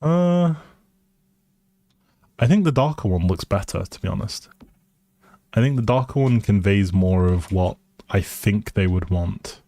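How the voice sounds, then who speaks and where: A male streamer with a lowish, expressive, dark-toned voice talks at a measured pace, pausing often, in a dry recording. Playing a building game on stream, he muses over small choices and answers viewers in a relaxed way.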